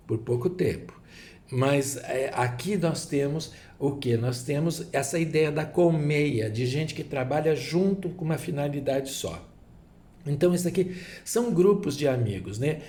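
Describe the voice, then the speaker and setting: A man's voice: fairly high pitch, dark tone. A man with a Brazilian Portuguese accent explaining Lenormand cards in a rambling way, full of asides and rhetorical tags. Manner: digressive, many asides and rhetorical "né?". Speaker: tarot reader.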